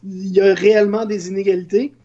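A woman's voice: mid-range voice, little pitch movement, fast, warm tone. Muffled Quebec French woman arguing opinions. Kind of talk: casual opinionated discussion. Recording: dull, muffled lo-fi sound.

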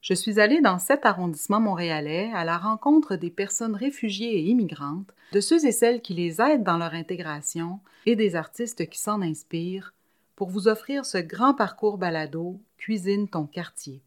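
A woman podcast host reads a scripted introduction in a warm, inviting way. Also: medium pitch, animated, moderate pace.

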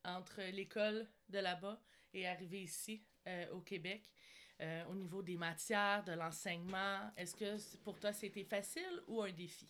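A woman's voice: mid-range voice, normal speed, a bit bright. A woman with a Québécois accent hosting a casual conversational interview. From Quebec. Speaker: podcast host.

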